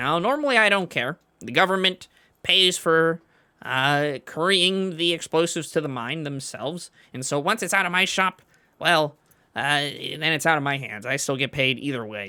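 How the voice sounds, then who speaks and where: A man's put-on character voice, fairly high in pitch, with lively intonation at a moderate pace on a very clean recording with a silent background. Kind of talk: tabletop game master character voice. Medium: actual play. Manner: rambling, hesitant with many filler sounds.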